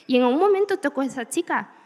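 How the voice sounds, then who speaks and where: High-voiced woman preaching. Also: fast talker, long reverb tail. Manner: animated storytelling with laughs. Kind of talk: sermon. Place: church hall.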